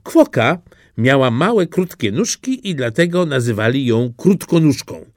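A man reading a fairy tale audiobook in an expressive storytelling manner. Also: mid-range voice, a little slow, dry recording, studio quality. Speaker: narrator.

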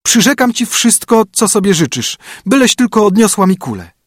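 A man voicing a spoiled young princess in a high, whiny, breathless way. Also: very animated, normal speed, husky, no room sound, clean studio sound, exaggerated voice. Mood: pleading.

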